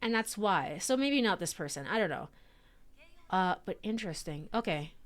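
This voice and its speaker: A woman's voice: mid-range voice, animated, moderate pace. A woman streaming a visual novel, reading it aloud with casual, giggly commentary full of "like" and "um". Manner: chatty, giggly, lots of "like" and "um". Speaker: streamer and let's-player.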